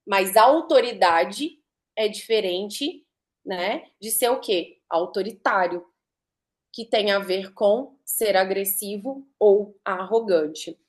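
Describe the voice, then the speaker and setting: A woman's voice: mid-range voice, slow pace. A woman giving a live online talk, conversational, asking her audience rhetorical questions and shifting her pace and emphasis to demonstrate. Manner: varies pace and emphasis to demonstrate vocal technique. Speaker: speaker giving a talk on communication and sales.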